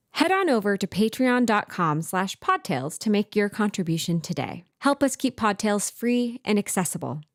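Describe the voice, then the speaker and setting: A woman delivers a scripted appeal for support, her pitch moving up and down in a very lively way. The sound is dry, with little room on it. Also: no echo. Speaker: festival announcer asking for support.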